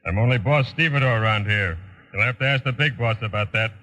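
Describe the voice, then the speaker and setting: An actor playing an easygoing, matey boss stevedore on the docks in an old radio drama. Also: male voice, on the low side, quick pace, sharp tone, in a large hall, poor audio. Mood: offhand, friendly. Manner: matey, offhand.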